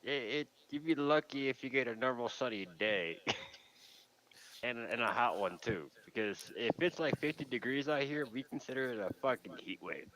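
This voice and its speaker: A man from Southern California in casual chat with friends, excitable, quick to laugh and swearing freely. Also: mid-range voice, low-quality recording. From United States, raised in Southern California.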